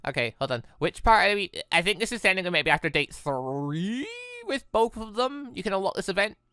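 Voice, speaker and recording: Bright, lively, rambling gamer commentary. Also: medium pitch, a little fast, clean tone, dry recording, clean studio sound. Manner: rambling, self-interrupting, excitable. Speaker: game streamer reading a visual novel aloud. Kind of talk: casual let's play commentary.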